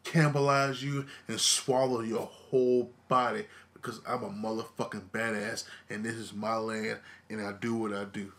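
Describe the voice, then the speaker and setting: Bright-voiced man, brash and profane. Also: on the low side, normal speed. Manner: profane, boastful, animated storytelling. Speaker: podcast co-host. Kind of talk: casual chat, wrestling podcast banter. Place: garage.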